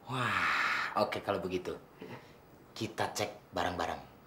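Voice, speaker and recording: A man's voice: deep voice, takes it slowly, sharp tone, a little hiss or hum, exaggerated voice. An actor playing a cheeky, boastful servant in a sitcom. He teases his master and brags about his looks. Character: cheeky vain young male servant. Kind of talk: sitcom acting.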